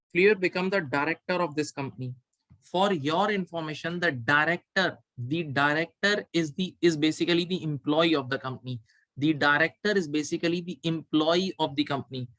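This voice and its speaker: A man's voice: on the high side, fairly bright tone, dry recording, poor audio. A man teaching a live online exam revision class as an accounting tutor, instructing step by step and repeating key phrases for emphasis.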